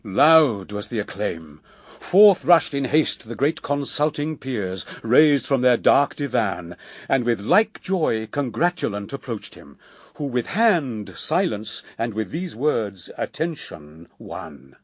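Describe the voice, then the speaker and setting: Male narrator for epic radio verse: solemn, measured, widely swinging intonation, close dry sound. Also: mid-range voice, big pitch swings, no room sound. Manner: solemn, measured, theatrical phrasing with weighty pauses.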